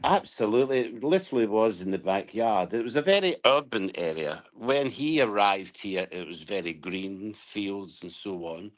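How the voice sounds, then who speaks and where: Low-voiced Scottish man telling stories. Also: expressive, normal speed, few pauses. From Scotland. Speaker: guest. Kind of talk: relaxed interview conversation.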